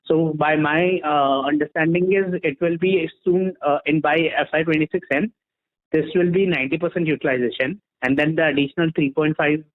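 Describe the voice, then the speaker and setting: A tinny phone connection carries an Indian man's fairly high voice. He is an investment analyst putting questions to management, polite and somewhat halting in his delivery. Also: fairly even intonation. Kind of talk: earnings call questioning. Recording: tinny narrow-band phone line.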